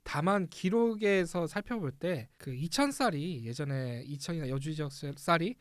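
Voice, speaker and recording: Calm guest writer guy, slightly high voice, dry close studio mic. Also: normal speed, no echo. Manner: calm, explanatory, agrees often. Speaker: history travel writer guest. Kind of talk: radio interview. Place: radio studio.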